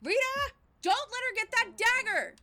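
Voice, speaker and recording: Woman acting a frantic, shrill heroine. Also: expressive, normal speed, sharp tone, slight background noise, heavily acted. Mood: panicked, urgent. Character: frantic, urgent young heroine shouting warnings. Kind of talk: scripted audio drama acting.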